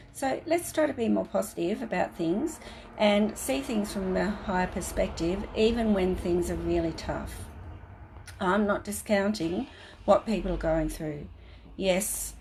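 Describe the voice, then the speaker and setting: Soft-voiced woman giving a gentle spiritual talk. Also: lowish voice. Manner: gentle and rambling, with many fillers. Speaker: host of a spiritual livestream. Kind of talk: casual spiritual talk to live viewers, reading from her newsletter.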